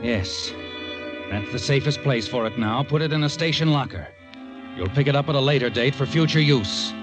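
An American actor playing an insinuating, all-knowing narrator who needles the character in a 1940s radio thriller. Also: male voice, mid-range voice, moderate pace, lightly acted. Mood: taunting, suspenseful. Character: the Whistler, taunting all-knowing male narrator of crime tales. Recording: muffled old radio recording under music. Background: dramatic music.

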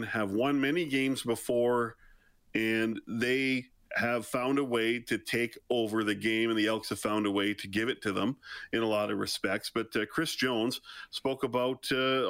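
A man working as a football colour commentator, giving conversational radio analysis in a deep voice. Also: fairly bright tone, dry recording.

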